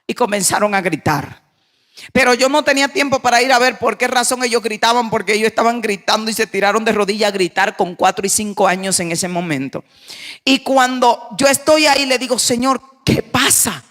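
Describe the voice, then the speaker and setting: A woman pastor preaching a sermon, emphatic, moving between hushed passages and raised, urgent lines. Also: fairly high pitch, brisk.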